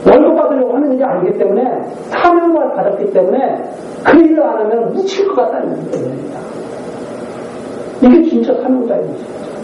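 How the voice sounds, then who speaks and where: A man preaching an evening sermon as pastor, reading scripture and then explaining it with lively acted asides. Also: very high voice, noisy background. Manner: reads scripture then explains it, acting out voices in quick asides. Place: church sanctuary.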